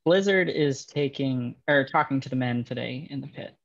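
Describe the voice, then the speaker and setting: A man's voice: medium pitch, moderate pace, lightly acted. A man reading the part of a guarded, terse informant in a drama table read. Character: guarded, reluctant young informant among coal miners. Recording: dull, lo-fi.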